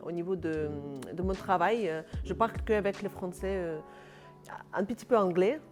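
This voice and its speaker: A woman's voice: fairly low pitch, moderate pace, darkish tone, faint music behind. A Russian-born woman speaking as an interview guest, with a Russian accent and simple, direct phrasing as a non-native speaker. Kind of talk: casual interview chat.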